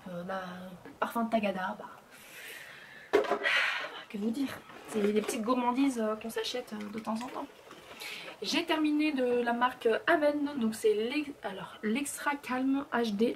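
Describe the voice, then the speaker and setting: Casting: woman, 30s, higher voice, chatty vlogger with lots of fillers, slight background hiss. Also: a little slow. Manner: chatty, frequent fillers and restarts, drops to murmurs. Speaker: beauty vlogger. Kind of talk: casual chat.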